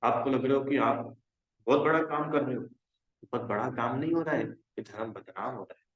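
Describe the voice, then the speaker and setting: A man's voice: mid-range voice, normal speed. Male religion teacher, conversational and exhorting, checks if the class follows, roomy echo. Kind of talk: casual spoken lesson to a youth class.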